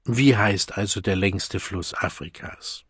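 Ein Mann, der in einem Hörbuch einen Erwachsenen spricht, der einen kleinen Jungen eindringlich ausfragt. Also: male voice, low voice, slow, a bit bright, husky, no echo, clean studio sound, exaggerated voice. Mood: coaxing. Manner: coaxing, insistent. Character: adult coaxing a small boy at breakfast. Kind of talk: audiobook reading.

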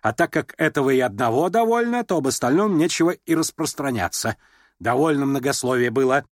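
A man voicing an imperious, sharp-tongued middle-aged noblewoman and mother, scolding and abrupt, in an audiobook. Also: medium pitch, expressive, fairly quick, no room sound, studio quality, pitched above the performer's own voice, close to an everyday voice. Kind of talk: audiobook character reading.

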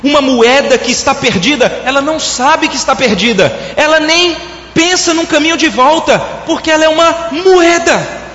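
A man's voice: extremely high pitch, normal speed, bright, forceful tone. A man preaching a sermon, telling a story and speaking straight to the congregation. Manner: storytelling preacher who addresses the congregation directly. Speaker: pastor. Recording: echoey hall, dull lo-fi sound.

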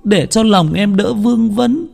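A man voicing a young grieving wife in a high, soft, sobbing voice. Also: a little slow, creaky, husky, exaggerated voice. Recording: long hall reverb, faint music.

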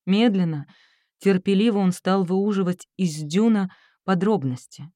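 A woman's voice: mid-range voice, a little slow, mellow, no room sound, clean studio sound. A woman reading a novel aloud as an audiobook narrator, voicing the characters' dialogue herself. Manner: reads all characters' dialogue herself with small shifts. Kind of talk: scripted narration.

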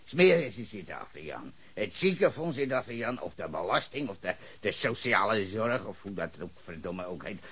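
An actor playing a hostile, cursing bar owner in his fifties in a radio play, shouting and then muttering. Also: on the low side, big pitch swings, normal speed, hardly any pauses, slightly rough, full character voice. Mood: grumbling. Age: 50s. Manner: cursing, ranting, swings between shouting and muttering. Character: foul-mouthed hostile older male bar owner, drunken ranter.

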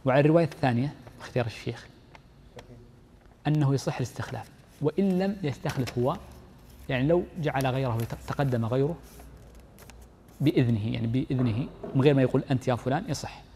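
A man's voice: medium pitch, fast talker, pauses often, warm tone, a little hiss or hum. A man teaching a lesson in Islamic law, explaining a text step by step and often repeating his key points. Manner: explains step by step, repeats key phrases, reads the text aloud then comments. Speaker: sheikh teaching Islamic jurisprudence. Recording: long hall reverb.

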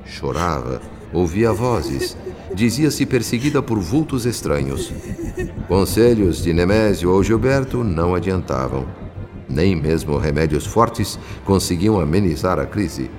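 A man's voice: deep voice, expressive, a little slow. A man playing the solemn narrator of a Brazilian radio drama, with a Brazilian accent and a formal, literary delivery. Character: solemn spirit narrator, grave and literary observer. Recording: long reverb under faint music.

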